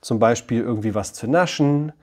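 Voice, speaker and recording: Husky male psychologist, 30s, direct explanatory delivery, softens to a coaxing tone with a child. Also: medium pitch, moderate pace. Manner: direct and explanatory, often checks in with "ja?"; gentle, coaxing tone with his son. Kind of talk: advice talk to camera, then chat with his child.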